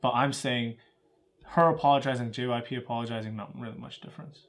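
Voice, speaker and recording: A young American man co-hosts a casual chat, talking fast in a steady, medium-pitched voice. He leans heavily on fillers like "like" and keeps asking "right?"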